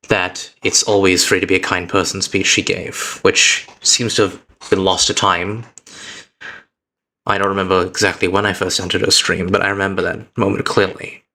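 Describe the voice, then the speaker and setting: Earnest low-voiced man, bright tone. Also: creaky. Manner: earnest, reflective, uneven pace with halting restarts. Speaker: VTuber streamer. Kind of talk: heartfelt personal speech to stream chat.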